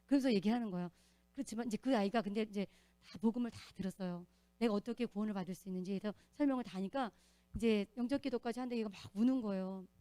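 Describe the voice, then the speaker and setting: A woman giving an earnest, animated testimony as a church deacon, telling her story in a church. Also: medium pitch, rapid-fire, dry recording.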